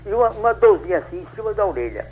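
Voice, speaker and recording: A man in his eighties calling in to a radio show, telling his story in a rambling, halting way with many restarts. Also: sits high, big pitch swings, darkish tone, husky, poor audio. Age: 80s. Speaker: caller. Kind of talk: phone-in radio call.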